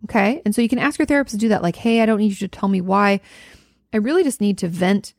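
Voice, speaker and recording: A woman hosting a question-and-answer show, answering viewer letters in a gentle, reflective way, with many fillers and therapy terms. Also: medium pitch, quick pace, dry recording, clean studio sound. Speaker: host answering viewer questions on mental health. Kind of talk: casual advice chat.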